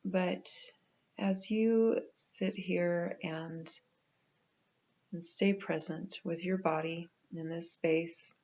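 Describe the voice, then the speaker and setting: Slow, low-pitched woman guiding meditation. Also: steady tone, dull audio. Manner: gentle, unhurried, with pauses. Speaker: meditation guide. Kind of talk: guided meditation.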